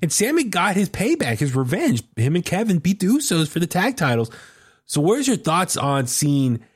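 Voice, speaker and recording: A man's voice: high-pitched, sing-song, moderate pace, slightly rough. Man recapping wrestling storylines. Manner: recaps storylines, acts out quotes, asks co-host questions. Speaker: podcast co-host. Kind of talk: casual wrestling chat.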